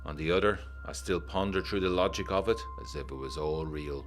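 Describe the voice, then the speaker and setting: An actor playing an indignant, worried 1920s gentleman, reading his letter in formal period diction with measured, dramatic emphasis for a gothic audio drama. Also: low-pitched, soft background music, lightly acted. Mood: grave, pondering.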